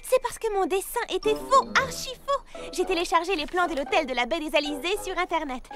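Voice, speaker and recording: A woman's voice: very high voice, brisk. A woman voicing a bossy, perfectionist little girl in a cartoon dub, exacting and emphatic. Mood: eager, organizing. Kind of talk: French children's cartoon dub. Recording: music behind the voice.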